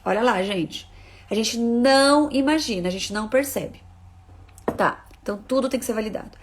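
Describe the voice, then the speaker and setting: A woman with a somewhat high voice gives a live talk as a parenting educator. She is emphatic, driving her points home by repeating phrases and calling out to her audience, and now and then she reads viewer comments aloud. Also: moderate pace, a little hiss or hum. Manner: emphatic, repeats key phrases, addresses listeners as "gente".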